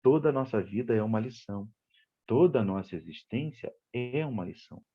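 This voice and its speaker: Speaking a little fast in an expressive, husky mid-range voice, a Rio de Janeiro man delivers a spiritist lecture with a Brazilian Portuguese accent. He narrates a story in a chatty way, playing out the dialogue, and the sound is lo-fi.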